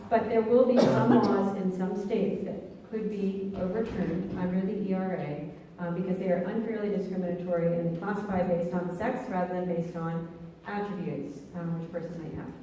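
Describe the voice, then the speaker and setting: A woman attorney answering audience questions at a panel, measured and hedging as she thinks aloud. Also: mid-range voice, warm tone, a little hiss or hum. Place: church hall at a public meeting. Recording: roomy hall, mic far off.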